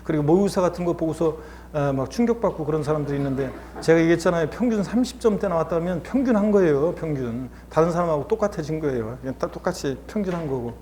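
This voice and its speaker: A male instructor gives a lecture in a chatty, encouraging manner, often pausing to reassure his students. His voice sits a little high for a man but sounds mellow and warm. A faint hiss of noise sits behind him.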